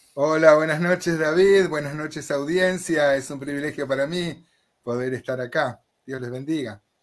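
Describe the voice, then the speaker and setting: A man with a fairly high pitch speaks at a moderate pace in an ordinary speaking voice, his intonation fairly even. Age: 60s. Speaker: church elder and missionary. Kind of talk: casual interview.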